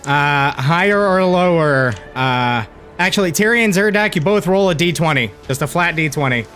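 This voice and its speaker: A man narrating a tabletop fantasy game as game master, casual and a little halting as he describes the action. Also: on the high side, expressive, fairly bright tone, faint music behind.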